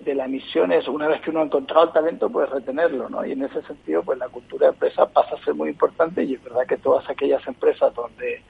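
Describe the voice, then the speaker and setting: A man from Chile, a guest on a podcast, talks thoughtfully with many hesitations and restarts in a husky, gravelly voice. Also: mid-range voice. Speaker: agency partner, guest. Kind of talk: conversational podcast interview. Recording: tinny phone-line sound.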